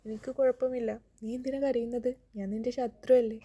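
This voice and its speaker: A protective young hero who teases the woman he loves, voiced by a woman reading it aloud. The voice sits a touch high, with very little rise and fall. The tone is deep-mellow and somewhat husky. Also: flat delivery, fairly quick. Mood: teasing. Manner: playful and tender. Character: brave protective young man, teasing.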